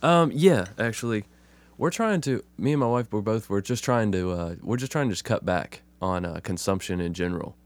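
A hoarse, low-voiced man talks in a laid-back, easy way. He has a cold, and his voice comes out rough. The recording is close and dry. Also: animated, fairly quick, no room sound. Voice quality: rough, smoker-like voice. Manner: laid-back, swears casually, says "man" a lot. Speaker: podcast co-host. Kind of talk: casual chat.

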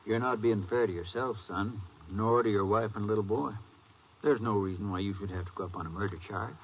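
A man's voice: fairly low pitch, brisk, slightly rough. A man acting a fatherly, reassuring county sheriff with a folksy manner in a 1950s western radio drama. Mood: coaxing. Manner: folksy, easygoing, coaxing. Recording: muffled, noisy old radio broadcast.

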